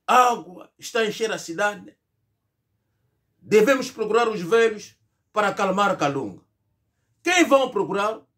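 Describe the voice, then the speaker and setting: A middle-aged man from Angola speaks to a fixed camera in a small indoor room, his voice pitched high. He delivers a rhetorical political monologue, stressing each point and mocking the replies he imagines. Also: fairly bright tone. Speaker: political commentator. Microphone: fixed camera, seated at medium distance.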